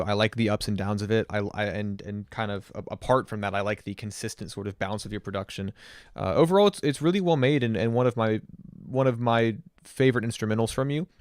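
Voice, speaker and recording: A man's voice: lowish voice, clean tone, no room sound, studio quality. A man reviewing songs on a casual livestream, rambling with many fillers and restarts. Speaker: music reviewer streamer.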